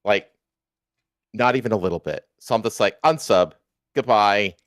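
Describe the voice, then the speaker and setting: Guy streamer w a lowish voice, dry sound, ranting casually, lots of swearing and repeating himself. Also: normal speed, fairly bright tone, dry recording. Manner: profane, emphatic, repetitive. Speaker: livestream host.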